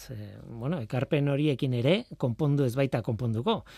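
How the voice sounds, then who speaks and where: Lively intonation marks a normal speaking voice, heard dry and close with no echo. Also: man. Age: 40s. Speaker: radio host. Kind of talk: radio show.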